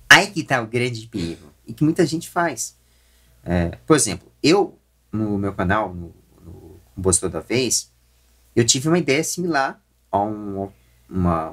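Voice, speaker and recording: A Brazilian man speaks as a video host at a middling pitch. He explains his opinions in a halting, searching way, often stopping to rephrase or correct himself as he goes. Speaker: YouTube host. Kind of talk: opinion commentary to camera.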